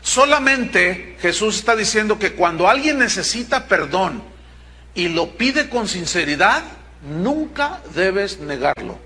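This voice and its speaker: A middle-aged man, preaching a sermon as pastor, emphatic with dramatic pauses and acting out the people he quotes. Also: high voice, animated, bright, forceful tone, a little hiss or hum. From Mexico.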